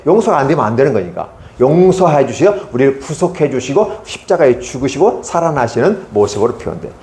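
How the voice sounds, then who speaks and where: A male Sunday school preacher addressing children, animated and constantly asking them questions. His pitch is mid-range but swings widely as he speaks. The voice rings around an echoey church hall. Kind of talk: sermon to children.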